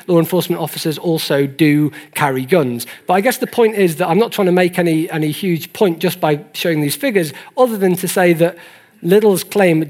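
Higher-voiced man giving an explanatory lecture. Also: darkish tone. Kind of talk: explanatory presentation of statistics to an audience.

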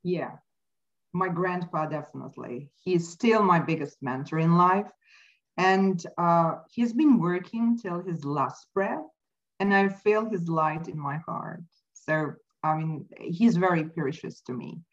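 A woman whose first language is not English, speaking as an interview guest, thoughtful and halting with many fillers. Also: on the low side, lo-fi sound. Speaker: podcast guest. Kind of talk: casual interview talk. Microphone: remote call mic.

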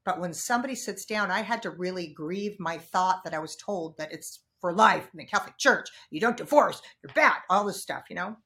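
A woman's voice: on the low side, a little fast, few pauses, a bit bright. A woman co-hosting a podcast, speaking earnestly and with emphasis in casual chat. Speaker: podcast co-host.

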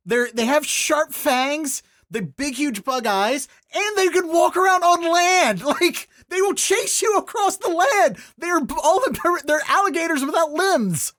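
A man hosting a podcast, asking questions quickly and excitably in casual conversation. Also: extremely high pitch, dry recording, clean studio sound. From Baltimore area. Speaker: podcast host.

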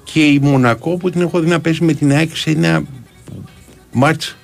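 A man's voice: a little high, steady tone, vocal fry, soft background music. An older man co-hosting a sports radio show in a studio, reminiscing casually and often chiming in with short agreeing words. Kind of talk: casual chat.

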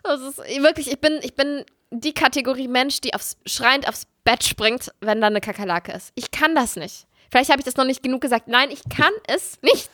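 Animated high-voiced woman telling a story. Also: normal speed, few pauses, no room sound, clean studio sound. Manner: animated, dramatic, squeals when reliving fright. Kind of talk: casual storytelling chat.

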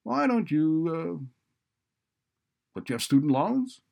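Man acting college dean, loud, exasperated, callous, sarcastic, storybook dialogue. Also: fairly low pitch, expressive, measured pace. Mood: sarcastic, angry. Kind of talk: audiobook character dialogue.

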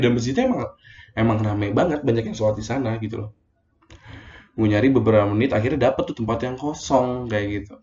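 A man's voice: mid-range voice, a little mellow. A young man telling a true personal story in a casual, slangy monologue, full of fillers and emotion, recorded as a phone voice message. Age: young adult. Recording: roomy, dull lo-fi voice message.

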